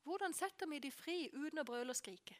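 A woman preaching a sermon, telling a story with animation and dropping to hushed whispers for emphasis. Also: high voice, expressive. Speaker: preacher and course teacher.

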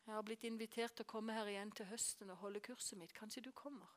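A woman preaching a sermon, telling a story with animation and dropping to hushed whispers for emphasis. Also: medium pitch, steady tone. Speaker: preacher and course teacher.

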